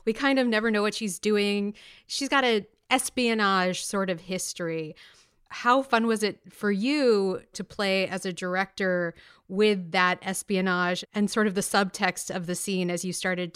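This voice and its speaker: Very clear-voiced American woman interviewing. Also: medium pitch, steady tone, a little slow, fairly bright tone. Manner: enthusiastic, chatty. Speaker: podcast host, interviewer. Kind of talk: casual upbeat interview.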